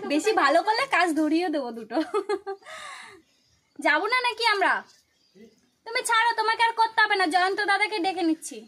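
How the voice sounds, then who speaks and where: A woman's voice: very high voice, lively intonation, brisk, pauses often, bright, forceful tone. A young woman chatting in a teasing vlog style. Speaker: vlogger. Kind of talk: casual vlog chat.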